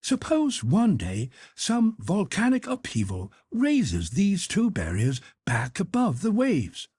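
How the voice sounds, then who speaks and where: A man's voice: high voice, wildly swooping pitch, takes it slowly, a little mellow, slightly rough, dry recording, studio quality, voice pushed up, heavily acted. A man voicing a polite, deferential, curious manservant in an audiobook. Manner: deferential, inquisitive. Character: deferential, curious male servant, higher-voiced and polite. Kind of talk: audiobook character dialogue.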